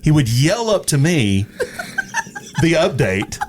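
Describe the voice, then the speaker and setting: A middle-aged man from East Texas tells stories in a casual, good-humoured chat. His pitch moves in a lively, animated way, and there is faint noise behind him. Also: slow. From East Texas, United States. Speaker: guest, veteran radio personality.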